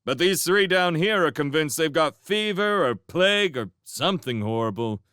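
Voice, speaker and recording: A man's voice: on the high side, lively intonation, moderate pace, pushed and bright, clear, resonant tone, no room sound, pitched above the performer's own voice. A man voices a crafty young male otter in a storybook reading. He plays the innocent with a raised, pleading tone, then drops to a conspiring whisper, on a dry close mic.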